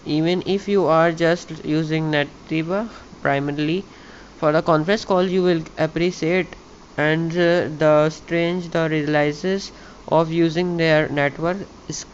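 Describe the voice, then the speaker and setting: A man with a South Asian accent, a native Hindi or Urdu speaker, hosting a tech tutorial in a halting, stumbling way. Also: fairly high pitch, fairly even intonation. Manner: halting, stumbling reading of English with repeated words. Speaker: YouTube tech channel host. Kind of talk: tutorial, reading an article aloud with casual asides. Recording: muffled lo-fi mic with background noise.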